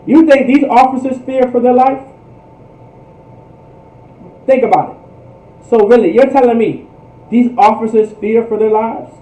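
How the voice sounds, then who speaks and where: Echoey high-pitched man preaching emphatically. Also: steady tone, measured pace, pauses often, dark tone. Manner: emphatic, repetitive, rhetorical. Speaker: class teacher and preacher. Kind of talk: fervent religious history teaching. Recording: echoey room, distant microphone.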